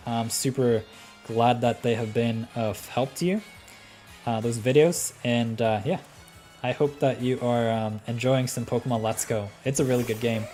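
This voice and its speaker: A man's voice: medium pitch, dark tone. A man from Norway with a Norwegian accent, hosting a live game stream and chatting easily with viewers between plays. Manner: easygoing, chatty, with frequent ums and laughs. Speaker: livestream host. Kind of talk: live game commentary and chat reading. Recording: faint music behind the voice.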